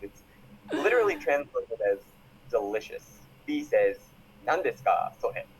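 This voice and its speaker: A man teaches in a video lesson with a very animated, varied intonation. He explains each point for learners, and a faint noise sits behind his voice. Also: medium pitch, normal speed, rough recording. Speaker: YouTube Japanese teacher.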